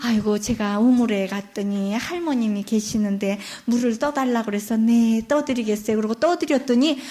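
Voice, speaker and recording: A woman's voice: a little high, fairly even intonation, normal speed, mellow, lightly acted. A woman voicing a sweet-natured, mistreated stepdaughter in a folk tale, speaking meekly and politely. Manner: polite, meek.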